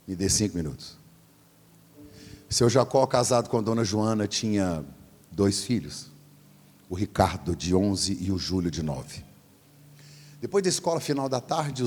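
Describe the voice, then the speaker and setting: A man in his forties preaching a storytelling sermon as pastor, animated and acting out the voices in his story. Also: fairly low pitch, husky. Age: 40s. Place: large church hall. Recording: long hall reverb.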